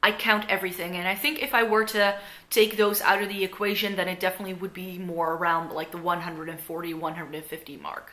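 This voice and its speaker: Speaking in a fairly low, bright and forceful voice, a young Dutch woman vlogs about beauty from her living room. Her accent mixes Dutch with American, and she rambles casually to the camera with many fillers, picked up at close range from the front.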